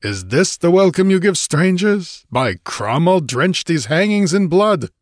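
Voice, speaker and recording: A man narrator acts out a gruff giant of a barbarian in a fantasy audiobook. He growls and snarls in blunt sentences, with grim humor underneath. The sound is dry and close. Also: fairly low pitch, moderate pace, no echo, natural voice. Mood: furious.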